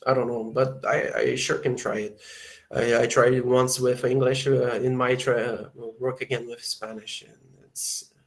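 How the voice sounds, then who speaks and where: A Brazilian man with a Brazilian Portuguese accent, a student on a video call who hesitates and fills pauses while he hunts for words. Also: mid-range voice, level tone. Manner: hesitant, many fillers while searching for words. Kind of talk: casual conversation lesson.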